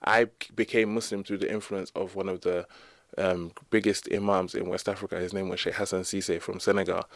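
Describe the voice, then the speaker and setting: Young guy being interviewed, talks fast, dry close sound. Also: sits low, little pitch movement, dry recording. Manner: fast, fluent storytelling. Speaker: guest speaker on Islamic history. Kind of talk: conversational interview.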